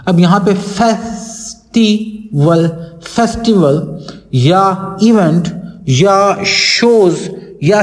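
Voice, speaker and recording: A man from Pakistan with a Pakistani accent, lecturing teachers on how to teach a lesson. He reads English lines out slowly and deliberately. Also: high voice, mellow, poor audio. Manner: slow, deliberate when reading English lines aloud. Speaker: teacher trainer.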